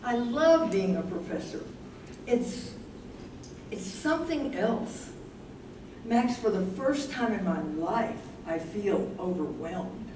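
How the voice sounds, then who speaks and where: A woman's voice: medium pitch, animated, slow pace. A woman playing a thoughtful, anxious professor wife troubled by her memory in a staged play reading. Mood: worried. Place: live staged reading in a room. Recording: noisy, echoey room from a distance.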